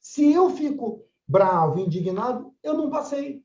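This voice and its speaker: Older male class mediator, casual and animated, muffled roomy audio. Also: very high-pitched, a little slow. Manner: conversational, frequent tag questions. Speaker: course mediator. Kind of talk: religious study class.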